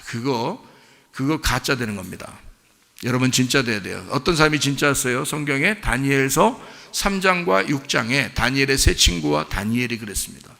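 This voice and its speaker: A man's voice: a little high, vocal fry, a bit bright, in a large hall. A male pastor preaching a sermon with emphasis, asking the congregation rhetorical questions and acting out little conversations. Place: church sanctuary.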